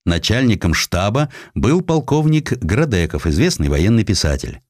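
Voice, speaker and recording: Low-voiced man narrating with lively intonation. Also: normal speed. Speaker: audiobook narrator. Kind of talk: scripted narration of a historical essay.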